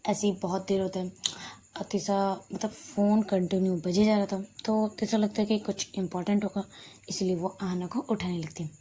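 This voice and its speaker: A woman narrates a love story in a casual, unscripted way, her pitch sitting in an ordinary middle range. She stumbles and corrects herself as she goes. A faint hiss of noise runs under the voice. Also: fairly even intonation, normal speed, dark tone. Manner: loose, chatty telling with frequent restarts and self-corrections.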